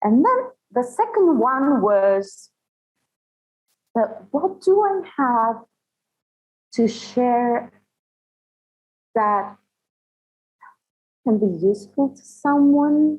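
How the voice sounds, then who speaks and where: High-pitched woman with an Italian accent, very slow and full of long, frequent pauses, with very wide pitch swings. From Central Italy (Teramo). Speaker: yoga teacher. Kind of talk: interview conversation. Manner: halting.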